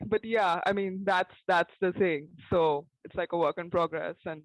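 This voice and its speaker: High-voiced man chatting casually. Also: steady tone, moderate pace, dry recording, low-quality recording. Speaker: playwright on a panel. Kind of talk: casual chat.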